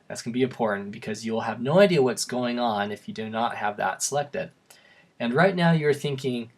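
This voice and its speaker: A young man narrating a software tutorial in a casual, rambling way with self-deprecating asides, his voice wearing thin and going hoarse. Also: mid-range voice. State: voice going hoarse from repeated takes. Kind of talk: screen-recorded tutorial narration.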